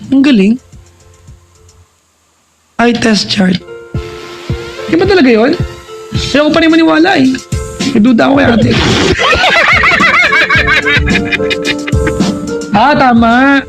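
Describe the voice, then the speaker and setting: A man plays a radio DJ, and his voice sits unusually high, bouncing around a lot as he banters. He teases his listeners and jokes at his own expense. Background music runs under the radio broadcast throughout. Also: expressive, unhurried, creaky, pauses often. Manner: playful and teasing, jokes at himself, laughs loudly and often. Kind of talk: comedic live radio banter with ad reads. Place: radio studio.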